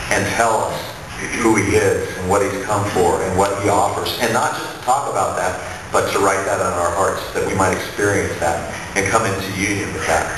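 A man's voice: lowish voice, background noise. A man in his thirties, a priest giving a sermon from a lectern in a large church, with an earnest, repetitive preaching cadence. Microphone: gooseneck mic on a lectern. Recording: echoey church from far off.

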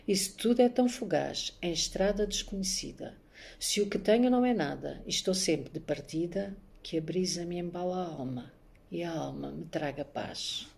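A middle-aged woman born and raised in Angola, a poet and maths teacher, introduces herself and reads poetry in a low, soft, measured voice with vocal fry and a breathy edge. She's indoors in a room at home, filmed on a phone camera held at arm's length.

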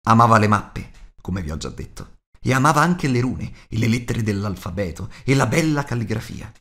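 Casting: male audiobook narrator, lowish pitch, scripted fantasy storytelling. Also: animated, moderate pace, a bit bright.

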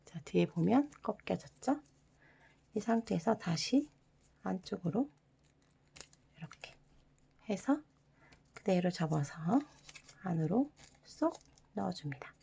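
A young woman hosting an origami tutorial for children, giving soft, half-whispered step-by-step instructions with playful sound words. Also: mid-range voice, animated, takes it slowly, creaky, long pauses, muffled recording, slight background noise. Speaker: origami channel host.

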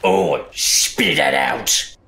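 An actor in an audio drama playing a blustering, menacing small-town sheriff with a gravelly voice and folksy rough speech. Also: medium pitch, very animated, pushed and bright, a little hiss or hum, heavily acted. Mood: gruff. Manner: folksy rough dialect, drawn-out sneering questions.

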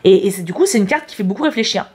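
A woman's voice: mid-range voice, animated, very fast, a little mellow, breathy edge. A woman chatting casually as she reads tarot horoscopes, slangy and prone to repeating words. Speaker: YouTuber reading tarot horoscopes. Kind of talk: casual chat.

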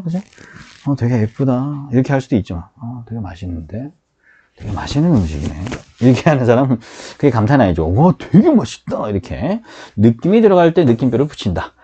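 Male grammar teacher for beginners, animated delivery, mellow tone, a little dull sound. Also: mid-range voice, husky. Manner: lively, drills students with call-and-repeat. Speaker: English teacher.

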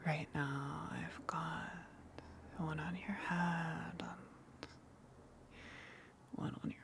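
A woman voicing a gentle, shy, affectionate tentacle monster in an ASMR roleplay, in a breathy whisper with a hesitant, apologetic manner. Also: low voice, fairly even intonation, a little hiss or hum, heavily acted. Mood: affectionate, sheepish. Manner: hesitant, apologetic, soft giggles between halting phrases.

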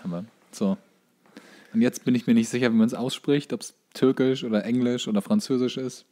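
A man's voice: medium pitch, steady tone, a little fast, dark tone. A man, co-hosting a comedy podcast with wry, opinionated banter and wordplay. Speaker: podcast co-host. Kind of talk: casual comic banter.

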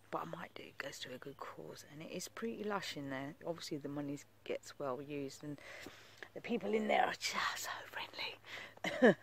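A middle-aged woman vlogging casually from her phone outdoors, chatty, laughing often and dropping into breathy asides. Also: low voice. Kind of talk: casual vlog narration. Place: outdoors on windy coast and town streets. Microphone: phone at arm's length.

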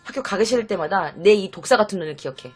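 A woman talks in a casual vlog as a Japanese-language tutor. She rattles on quickly, with a breathy, husky edge. Her pitch leaps around as she lectures her viewers directly, dropping to soft asides and then jumping to loud bursts. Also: lively intonation, soft background music.

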